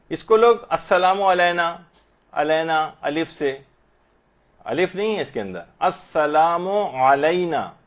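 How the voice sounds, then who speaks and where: A man teaching religious pronunciation, explaining patiently and slowly repeating Arabic words to demonstrate them, with an Urdu-speaking South Asian accent. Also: mid-range voice. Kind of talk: religious instruction on prayer recitation.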